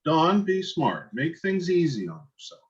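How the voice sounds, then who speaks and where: A man's voice: a little high, sing-song, a little slow, highs cut off. A man reading the part of a placating middle-aged suburban father in a screenplay table read.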